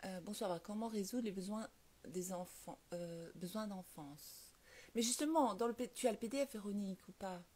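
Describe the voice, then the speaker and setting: A woman's voice: mid-range voice, moderate pace, breathy edge. A woman with a French accent hosting a casual live stream, answering viewer comments, laughing often and filling her talk with little hesitations. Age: adult with children. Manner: lively, laughs often, many fillers. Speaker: host of a live stream on the law of attraction.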